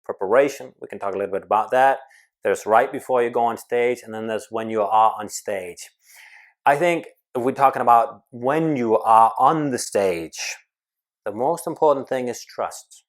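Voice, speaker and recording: Talking directly to the camera, a man with a medium-pitched voice coaches viewers on public speaking. He speaks with energy and emphasis, alternating rapid bursts with abrupt slowdowns.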